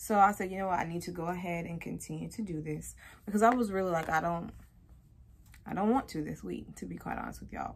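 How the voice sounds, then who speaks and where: With an American accent, a woman talks at a very fast pace in an animated tone over light background noise. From US South. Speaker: beauty vlogger. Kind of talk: casual chat. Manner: chatty, animated. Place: home room. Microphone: phone near.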